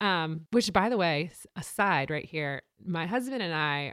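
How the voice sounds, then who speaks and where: A woman talks at a moderate pace in a fairly low pitch. The recording is very clean, with a silent background. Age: 30s. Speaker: social media expert. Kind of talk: casual chat. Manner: animated.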